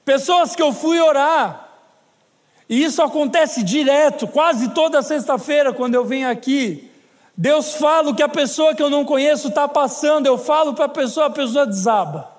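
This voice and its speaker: A man's voice: extremely high pitch, moderate pace. A man with a Brazilian accent, preaching a sermon in a church hall and telling a story with humor and chatty asides to the congregation. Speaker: pastor. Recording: long hall reverb.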